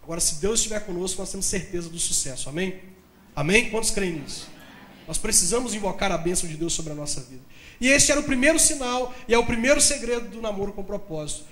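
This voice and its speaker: Brief: male pastor, very high voice, lively storyteller, echoey church. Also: fast. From Brazil. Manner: animated storytelling, acts out dialogue, laughs at own jokes. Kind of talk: sermon with personal story.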